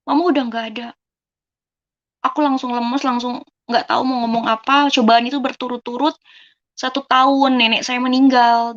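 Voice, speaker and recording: A young woman from Indonesia shares her personal testimony in an easy, conversational way. Her voice sits somewhat high, and she replays the dialogue of the people in her story as she goes. The recording is muffled and lo-fi. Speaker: testimony speaker.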